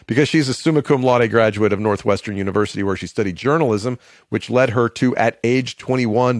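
Low-voiced upbeat podcast host man. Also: no room sound, clean studio sound. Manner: upbeat, conversational. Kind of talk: podcast interview.

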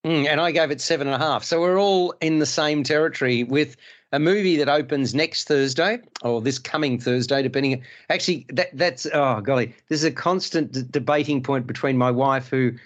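A man's voice: on the high side, a little fast. A middle-aged man whose first language is Hungarian, hosting a casual film-review panel and rambling through restarts and digressions. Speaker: podcast host.

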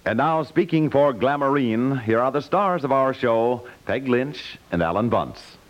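A man's voice: medium pitch, expressive, unhurried, faint music behind. An American man reading announcements and sponsor ads in the style of 1950s radio. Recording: dull 1950s radio recording.

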